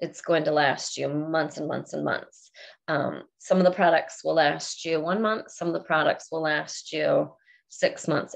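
A woman speaks fairly slowly, with a quiet background behind her. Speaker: wellness product seller. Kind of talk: casual livestream product talk. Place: home room. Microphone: webcam.

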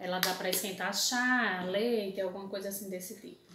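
A woman speaks with audible room echo and light background noise around her. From Brazil, Rio Grande do Norte (Mossoró). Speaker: sales consultant and video blogger. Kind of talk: casual product show-and-tell vlog. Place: home room. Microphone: phone near.

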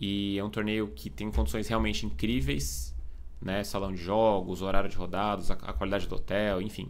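Speaking at a moderate pace, a man uses a very deep, low pitch with vocal fry and very wide pitch swings. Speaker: chess player streamer. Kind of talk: casual stream commentary. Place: home room. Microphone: webcam.

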